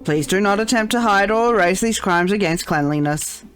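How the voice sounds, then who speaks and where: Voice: mid-range voice, normal speed, a bit bright, soft background music. A player reading aloud as a fussy robot janitor that glitches, stalls on errors, and talks about itself in the third person. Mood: glitching. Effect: glitching robot voice repeating error. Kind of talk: reading game dialogue aloud.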